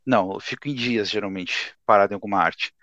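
A man's voice: on the low side, fairly quick, a bit bright, no room sound, muffled recording. A man in his twenties, a guest artist, chatting casually and laid-back on a podcast. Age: 20s. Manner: laid-back, says "cara" often.

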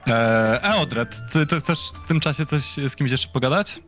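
A man narrating a tabletop session as game master. He speaks at a middling pitch, casual and chatty, with fillers and little laughs that keep it relaxed. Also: measured pace, soft background music. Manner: casual, fillers and chuckles, says "listen" often.

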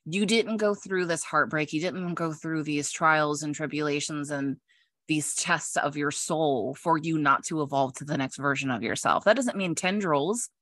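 A woman's voice: low-pitched, moderate pace, fairly bright tone, dry recording. A woman podcast host talking casually and reflectively, emphatically repeating phrases to drive a point home.

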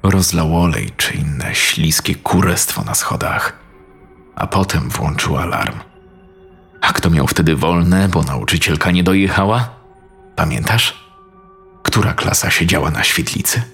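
Coarse conspiratorial buddy, man's own low voice, unhurried. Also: vocal fry, a bit bright, breathy edge, faint music behind, heavily acted. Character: young man, scheming old school friend.

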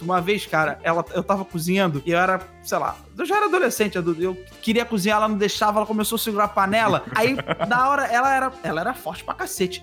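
A Brazilian man in his thirties, co-hosting a casual podcast chat, telling funny family stories with lots of laughter. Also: high-pitched. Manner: animated storyteller, laughs often. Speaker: podcast co-host.

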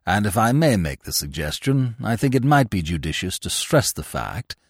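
A performer plays a discreet English gentleman's valet, deep and quiet. He speaks formally and with deadpan deference, letting phrases sink softly at the end, in a dry storybook recording. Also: moderate pace, breathy edge, dry recording, exaggerated voice. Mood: calm deference.

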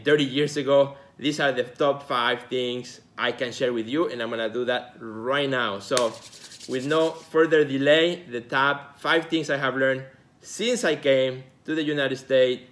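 A Mexican man in his forties hosts his own show as a casual solo talk. He's relaxed and rambling, with many fillers and restarts, and his voice sits in the mid range.

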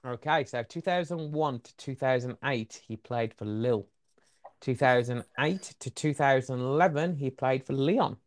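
A man's voice: mid-range voice, darkish tone. Chatty Black Country man quizzing a friend. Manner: chatty, rambling, quick asides. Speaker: quiz host. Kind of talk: casual football quiz chat.

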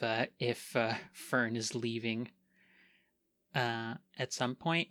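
A man's voice: medium pitch, sharp tone, no echo. A man playing a tabletop role-playing game, thinking aloud about his character in a rambling way with many fillers. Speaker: player.

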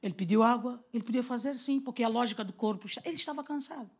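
A Brazilian woman preaching a lively sermon, telling stories and acting out the dialogue with frequent laughter. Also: a little high, quick pace, slightly rough. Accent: Brazilian Portuguese. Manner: animated, acts out quoted dialogue, laughs often.

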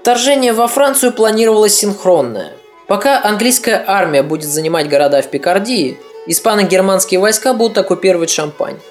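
Steady scripted history narrator. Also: medium pitch. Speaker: podcast narrator.

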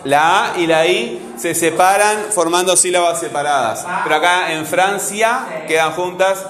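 A man's voice: high-pitched, unhurried, echoey room, crowd noise. A man teaching a grammar class in a Rioplatense Spanish accent, patiently repeating his questions to the students.

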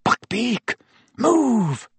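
A man's voice: very high-pitched, very animated, extremely slow, gravelly, slightly rough, dry recording, pitched above the performer's own voice, full character voice. A man voicing a brave, tense teenage boy in a storybook, murmuring and whispering urgently.

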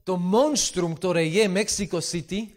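A man's voice: sits high, measured pace. A man interpreting a sermon phrase by phrase, following the preacher closely.

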